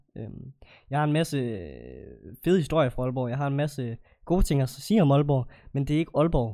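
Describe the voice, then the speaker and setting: A man with a dark, mellow tone and fairly high pitch speaks at a fairly quick pace with long, frequent pauses, on a very clean recording with a silent background. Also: ordinary pitch variation. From North Jutland, Denmark. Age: 20s. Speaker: podcast host. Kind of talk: solo podcast monologue. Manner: halting, many fillers.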